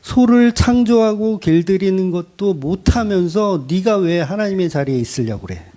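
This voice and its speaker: A man's voice: sits high, animated, dark tone, pitched above the performer's own voice. A man voicing God scolding a proud man, sarcastic and blunt, firing off rhetorical questions. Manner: mocking, rapid-fire rhetorical questions.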